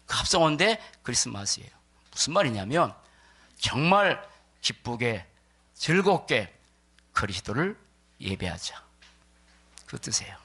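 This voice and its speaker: Male pastor, low-pitched bright forceful voice, church sermon delivery, emphatic deliberate phrasing, rhetorical questions. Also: breathy edge. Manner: puts rhetorical questions to listeners. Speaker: pastor preaching.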